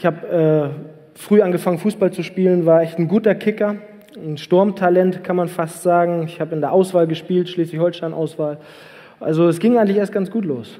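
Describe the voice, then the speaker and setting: Over noticeable background noise, a high-pitched man speaks at a moderate pace with fairly even intonation. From northern Germany, Flensburg. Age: 30s. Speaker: former drug dealer turned preacher. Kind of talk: testimony; sermon. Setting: youth church service with live audience.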